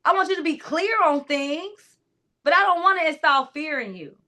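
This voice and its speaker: Speaking directly to listeners, this woman gives a motivational talk as a clarity coach, loose and emphatic with frequent tangents. She has a loud, naturally high voice, lively intonation, and a moderate pace.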